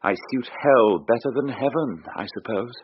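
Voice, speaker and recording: An actor playing a brooding young gentleman who speaks in an introspective, wry way in a radio drama. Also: mid-range voice, normal speed, highs cut off, a little hiss or hum, natural voice.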